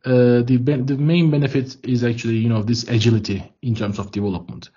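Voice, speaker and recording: Turkish accented guy on a video call, keeps restarting his sentences, mellow kinda husky voice, muffled audio. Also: mid-range voice, fairly even intonation, a little fast. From Turkey. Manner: hesitant, repeats words and leans on filler words. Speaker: guest, product head of a developer tool startup. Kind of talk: casual interview answers.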